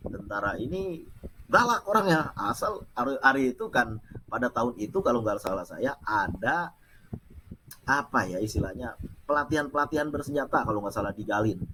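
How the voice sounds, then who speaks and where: Animated man telling a personal story. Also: medium pitch, noisy background. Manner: animated, chatty, laughs while telling.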